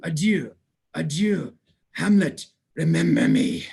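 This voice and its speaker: A man playing the ghost of a murdered king, solemn and anguished, declaiming slow Shakespearean verse in a dramatic reading. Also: a little high, expressive, creaky, a little mellow, breathy edge, heavily acted. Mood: solemn urging. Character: murdered king's ghost, solemn, wronged, commanding older male. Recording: remote livestream audio.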